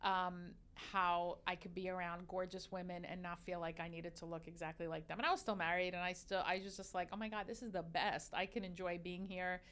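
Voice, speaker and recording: This woman, in her fifties, works as a religious educator and consultant, and Arabic is her native tongue. She recounts candid stories animatedly in a casual interview, with many restarts. Her low, clear, resonant voice moves briskly with few pauses.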